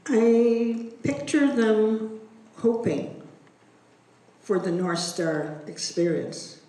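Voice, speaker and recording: A woman introducing a speaker at a ceremony with slow, measured storytelling. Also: on the high side, lively intonation, mellow. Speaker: event emcee introducing a speaker. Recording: echoey hall, distant microphone.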